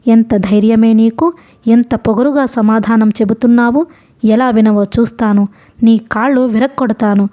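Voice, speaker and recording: A desperate middle-aged mother , voiced by a woman reading a novel aloud, shouts bitter threats at her daughter. Her voice sits fairly high and yet stays soft and mellow in tone. This is an audiobook reading. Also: steady tone, normal speed, lightly acted. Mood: raging.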